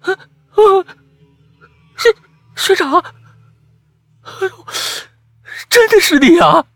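A man voicing a jittery, easily spooked young male junior student who talks high, fast and anxiously. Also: sing-song, a bit bright, slightly rough, no room sound, exaggerated voice. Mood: terrified, sobbing.

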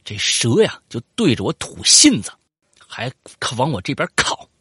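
A man's voice: medium pitch, a little slow, slightly rough, dry recording, clean studio sound. A man, casually telling a listener's story and chatting about it, swearing and rambling with lots of fillers. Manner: animated, swears, jumps into voices for quoted lines; rambling with frequent fillers and repeats. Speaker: host reading out a listener's story. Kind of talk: casual storytelling with banter and commentary.

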